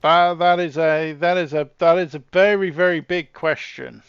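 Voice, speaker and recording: A man's voice: fairly high pitch, fairly even intonation, normal speed, clear, resonant tone, no room sound, lo-fi sound. A man casually chatting with his live-stream audience while setting up soldiers in a game, often trailing off and restarting.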